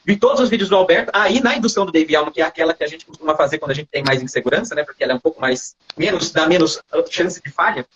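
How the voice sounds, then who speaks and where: A man with a Brazilian Portuguese accent tells a story as an interview guest, animated, acting out quoted dialogue and often adding tag questions. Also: on the high side, very fast, hardly any pauses, breathy edge, muffled recording. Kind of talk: casual storytelling in a livestream interview.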